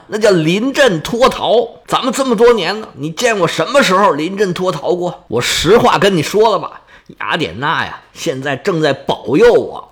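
A man's voice: high voice, fairly bright tone, husky, heavily acted. A man storyteller acting a fierce, proud young warrior hero who talks sternly and with scorn.

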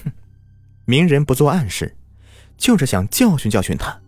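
A sneering white fox spirit from a spoken folk tale, haughty and mocking, with snorts of contempt, as a male storyteller puts it on. The voice sits high and lifted above a plain speaking voice, with bright, jumping pitch and a dry, close sound. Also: wildly swooping pitch, moderate pace, no room sound, faint music behind. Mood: smug. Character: smug haughty white fox spirit possessing a village wife.

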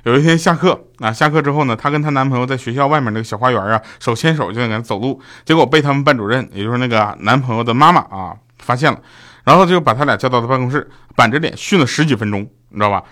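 Young male streamer, quick comic monologue, mid-pitched, chuckles at his own jokes. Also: fairly bright tone. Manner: rapid joke-telling, laughing at his own punchlines. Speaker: livestream host.

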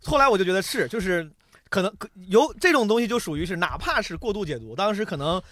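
A man's voice: high voice, lively intonation, quick pace, fairly bright tone, dry recording. A man on a podcast chatting casually about books, colloquial and mildly profane. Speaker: podcast panelist.

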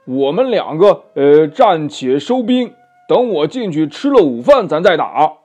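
A man's voice: a little high, sing-song, dark tone, soft background music. A man voicing a boastful black demon king who drawls and mocks in a storybook reading. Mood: sly. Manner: slow, mocking laughter.

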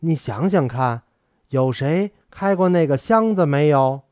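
A man voicing a weary, gentle old scholar. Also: a little high, lively intonation, measured pace, no echo. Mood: urgent questioning. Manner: soft-spoken, earnest pleading. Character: aging male scholar, gentle, weary, grieving. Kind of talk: audiobook character voice.

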